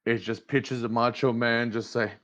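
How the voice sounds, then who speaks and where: A man's voice: medium pitch, level tone, normal speed, fairly bright tone, highs cut off. A man running a tabletop roleplaying game as game master, narrating casually.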